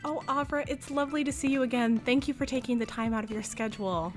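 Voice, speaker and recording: Gracious, upbeat school head, higher-voiced woman acting. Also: fast talker, soft background music, natural voice. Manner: polite, formal, upbeat. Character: gracious, encouraging, persuasive woman running a small school. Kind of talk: audio drama acting.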